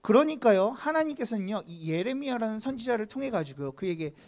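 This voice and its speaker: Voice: mid-range voice, very animated, fairly quick, a little mellow. A preacher giving a casual sermon at a church youth service, chatting with the teenagers, asking them questions and counting them in to read together. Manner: chatty, asks the students questions; leads group reading with a count-in.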